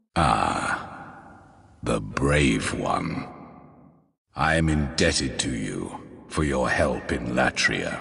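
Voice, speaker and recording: Using a put-on character voice, a man speaks at a very slow pace in a very deep, low pitch. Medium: video game. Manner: cold, measured, menacing.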